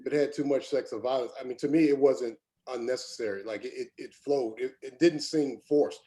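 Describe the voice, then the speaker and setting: A man's voice: medium pitch, a little fast, warm tone. A man giving informal feedback in a group discussion, plain-spoken and repeating himself for emphasis. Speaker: table read participant giving feedback.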